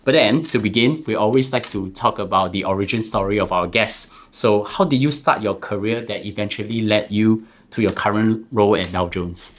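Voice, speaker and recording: A man's voice: fairly low pitch, moderate pace, hardly any pauses. A man hosting a business podcast, giving formal introductions and asking earnest questions. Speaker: podcast host.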